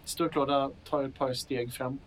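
A man's voice: mid-range voice, steady tone, slight background noise. A man running a tabletop game, casually describing scenes with chatty fillers. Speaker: game master.

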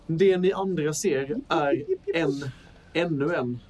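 A man running a tabletop role-playing game as game master, narrating the action with lively energy. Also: fairly high pitch. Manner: lively, acts out panicked shouts.

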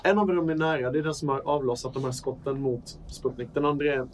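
A man running a tabletop role-playing game as game master, narrating the action with lively energy. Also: mid-range voice. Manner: lively, acts out panicked shouts.

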